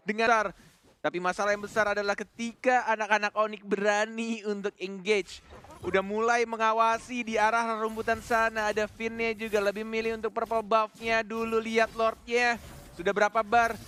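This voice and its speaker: A man doing excited play-by-play commentary on a video game match, in a dramatic announcer manner with drawn-out calls. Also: sits high, clean tone.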